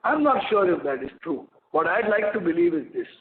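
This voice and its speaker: A man with an Indian accent answering investor questions as a company executive, in measured, hesitant phrasing with frequent pauses. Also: high voice, very animated, slight background noise. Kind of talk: earnings call answers. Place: conference call line. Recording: echoey, muffled conference call audio.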